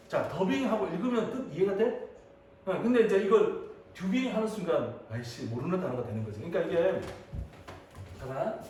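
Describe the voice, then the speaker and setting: A man in his thirties teaching high school English, chatting and joking with his students as he calls on them to read. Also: a little mellow, distant mic. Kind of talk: classroom lecture. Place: classroom. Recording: echoey room, voice off-mic, faint hiss.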